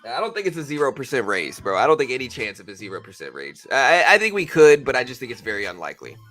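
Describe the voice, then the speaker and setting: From his home in Texas, a man hosts a trading livestream just after waking up, tired, with his voice deeper than usual. He is an adult with a daughter, and he chats casually, fast and rambling, laid-back, saying "bro" and "you know" a lot. His mid-range voice keeps a bright, forceful edge even as he trails off, with faint music behind him.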